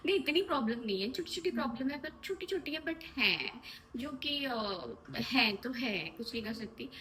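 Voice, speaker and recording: A woman's voice: high-pitched, animated, normal speed, pushed and bright, slight background noise. A young woman vlogging casually to her viewers, chatty and affectionate as she goes through her day on the way to a shoot. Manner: chatty, talks to viewers as "lovelies". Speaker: vlogger and actor. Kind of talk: casual vlog chat to camera. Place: home, then a film set dressing room.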